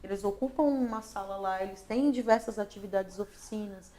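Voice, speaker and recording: A woman's voice: medium pitch, brisk, warm tone. A Brazilian woman speaking as an interview guest, thoughtful and reflective, often adding "né?" and restarting her phrases. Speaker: guest, actress, director and lighting designer. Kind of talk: casual interview talk. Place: local talk show broadcast on social media.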